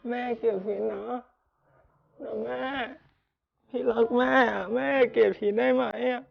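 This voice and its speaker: A man playing a distraught son in an emotional drama, crying as he pleads and apologizes in a creaky voice. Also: sits high, animated, rapid-fire, lo-fi sound. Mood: tearful pleading. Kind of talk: emotional screen drama acting.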